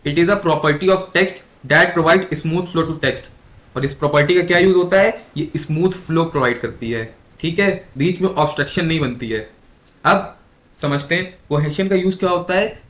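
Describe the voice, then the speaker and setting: A young man giving an exam lesson, mixing Hindi and English, who slows down to repeat key definitions and keeps quizzing his listeners. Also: on the high side, fairly bright tone. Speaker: exam tutor.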